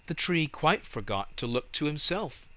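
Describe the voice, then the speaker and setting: A man narrating a storybook in a measured, dramatic and expressive way. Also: a little high, dry recording. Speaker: audiobook narrator.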